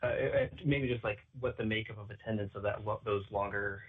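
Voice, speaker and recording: A husky-voiced man asks questions as a financial analyst, phrasing them hesitantly. His voice comes from far off through a tinny telephone connection. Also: on the low side, steady tone, brisk. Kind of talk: earnings call question. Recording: distant, tinny phone line.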